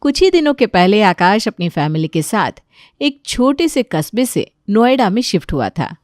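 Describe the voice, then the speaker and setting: A woman narrating a children's bedtime story, calm and plain. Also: mid-range voice, moderate pace, no echo, clean studio sound.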